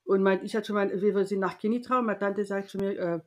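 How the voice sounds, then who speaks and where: Interviewed about a personal story, a Frenchwoman speaks in a lively way, performing the voices of the people she quotes and frequently restarting sentences. Her pitch is medium and she talks quickly.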